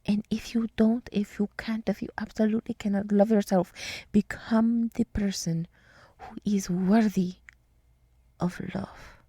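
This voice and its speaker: A woman playing a gentle, earnest deer woman in an ASMR roleplay, speaking in a soft, breathy, mostly whispered voice with an encouraging, rambling manner. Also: medium pitch, level tone, a little slow, dry recording.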